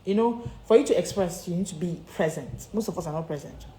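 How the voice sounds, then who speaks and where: A confidence and public speaking coach with a Nigerian accent gives a motivational talk to online followers, speaking emphatically and repeating key phrases like a preacher. Her lowish voice is mellow and fairly quick, recorded in an echoey room with faint background noise.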